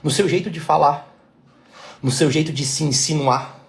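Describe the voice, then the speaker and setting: A man's voice: fairly high pitch, fairly even intonation, moderate pace. A middle-aged Brazilian man, a couples therapist, giving a blunt, emphatic lesson to women, repeating his key points and checking that they follow. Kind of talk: talking-head lesson.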